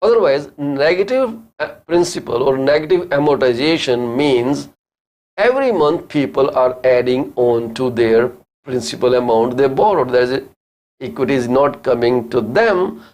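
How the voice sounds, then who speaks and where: A man with an Indian accent hosts a live call-in talk show about real estate. He speaks slowly and deliberately, asking pointed rhetorical questions in an earnest, critical tone. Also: mid-range voice, lively intonation, darkish tone.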